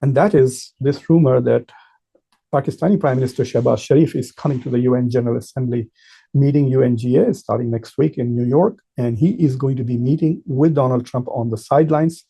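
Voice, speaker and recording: A man speaks as an informal commentator, laying out his argument step by step with emphasis. His voice is very dark and mellow, with a husky grain and plenty of gravelly creak. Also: medium pitch, fairly even intonation, brisk. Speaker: political commentator and professor. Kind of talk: informal political commentary to camera.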